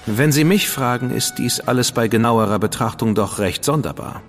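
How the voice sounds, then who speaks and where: An actor gives us a confident Victorian gentleman agent with an ordinary mid-range voice, self-assured and probing in every question. A long reverb hangs behind him. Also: mid-range voice, moderate pace, faint music behind, lightly acted. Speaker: agent of the crown. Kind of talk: studio radio drama acting.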